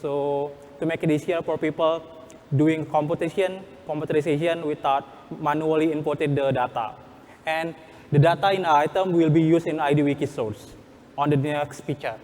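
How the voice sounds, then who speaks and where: A man with an Indonesian accent presents a workshop, teaching step by step in a fairly high voice that echoes through a reverberant hall. His non-native English is halting, and he keeps repeating and rephrasing himself. His tone is steady and a little mellow.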